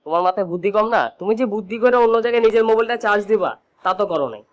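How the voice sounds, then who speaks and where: A man's voice: high-pitched, rapid-fire, natural voice. An actor playing a cheeky young man who defensively denies stealing in a TV drama. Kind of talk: TV drama acting.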